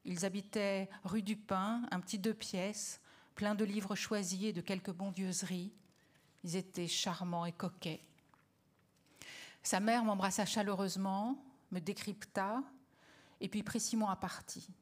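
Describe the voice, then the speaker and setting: A woman reading a first-person memoir aloud on a literary stage, clear and steady. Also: mid-range voice, unhurried. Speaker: reader of a memoir.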